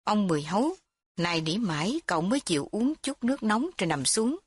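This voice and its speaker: A woman narrating a dramatic story in a steady reading voice. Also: mid-range voice, a little fast, slightly rough, no echo, studio quality.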